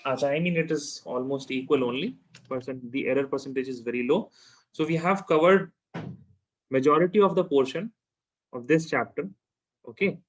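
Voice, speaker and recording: In a muffled recording, a chemistry teacher with a South Asian accent tutors one student informally, repeating his phrases and asking questions to make sure he's followed. He has a mid-range voice, a moderate pace, and pauses often.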